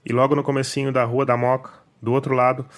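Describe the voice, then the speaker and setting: A man's voice: mid-range voice, level tone, fast talker. A Brazilian man hosting a podcast, reading scripted documentary narration over a music bed.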